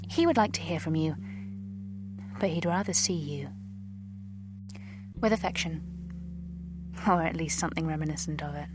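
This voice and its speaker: A woman playing a hurt, dignified, newly divorced wife, reading a letter in an audio drama in measured, formal short phrases. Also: low voice. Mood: resigned, pleading.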